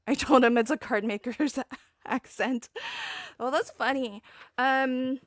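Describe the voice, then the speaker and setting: A woman's voice: sits high, fairly even intonation, slow pace, no room sound, clean studio sound. A woman from Northern Virginia whose first language is Vietnamese, hosting a live card-making tutorial and chatting with viewers, with frequent ums as she thinks aloud while she works.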